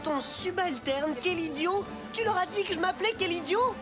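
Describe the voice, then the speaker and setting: An excitable, put-upon boy sidekick from a French cartoon. The voice is very high and exclamatory, often incredulous, with music playing clearly behind it. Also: normal speed. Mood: offended. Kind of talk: French cartoon dub acting.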